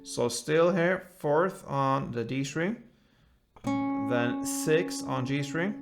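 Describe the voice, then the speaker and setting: A man giving an informal step-by-step guitar lesson in short, halting phrases as the host. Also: medium pitch, animated, vocal fry. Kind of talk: step-by-step instrumental tutorial. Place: indoors, small room, seated with guitar. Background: acoustic guitar playing.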